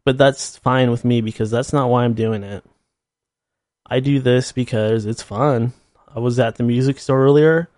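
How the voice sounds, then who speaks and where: A man's voice: medium pitch, steady tone, moderate pace, darkish tone, no echo, clean studio sound. A man in his thirties hosting his own podcast, rambling casually and laughing at himself. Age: 30s. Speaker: podcast host. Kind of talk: casual solo monologue.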